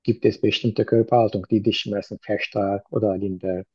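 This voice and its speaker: A man taking a patient's history as a doctor in a role-play, speaking slowly and haltingly with many hesitations. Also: on the low side, level tone, darkish tone, slightly rough, no room sound. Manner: slow, halting, many "äh" and "mhm". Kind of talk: medical exam role-play. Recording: dull lo-fi recording.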